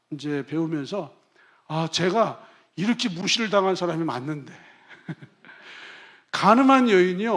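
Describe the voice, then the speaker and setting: High-voiced man preaching a sermon. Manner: emphatic preaching, swinging from soft to loud. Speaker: pastor.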